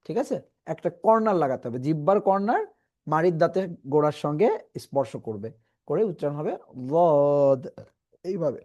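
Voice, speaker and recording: A man teaching Quran reading in an online class, patiently explaining and slowly repeating letter sounds for his students. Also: fairly high pitch, animated, mellow, muffled recording.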